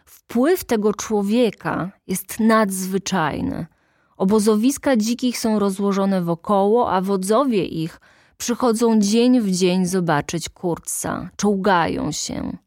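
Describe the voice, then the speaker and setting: A woman reading a literary audiobook aloud in a measured, deliberate way with dramatic pauses, close to the microphone. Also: mid-range voice, a little mellow, dry recording. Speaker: audiobook narrator.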